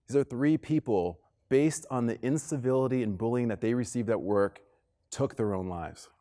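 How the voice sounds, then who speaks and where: A man's voice: mid-range voice, darkish tone. American man giving an emphatic keynote. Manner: emphatic, conversational, repeats phrases for effect. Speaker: keynote speaker. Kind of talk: motivational conference keynote, personal storytelling. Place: live talk on stage to a room of listeners. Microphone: stage microphone.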